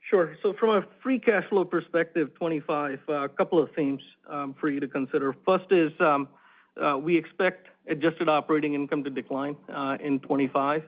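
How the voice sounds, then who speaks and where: A man working as a finance executive, explaining figures on an earnings call in a halting, filler-heavy way. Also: on the high side, fairly even intonation, phone-quality sound. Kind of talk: answering analyst questions on an earnings call.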